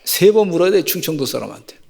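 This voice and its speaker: A man's voice: on the high side, very animated, fast, vocal fry, darkish tone, long reverb tail. A middle-aged man preaching a sermon as pastor, telling folksy stories and rising to fervent exhortation.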